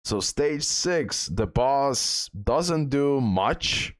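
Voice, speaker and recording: A man's voice: mid-range voice, animated, extremely slow, dry recording. A man giving casual gameplay commentary as the host of a game guide, repeating himself and checking in with the listener.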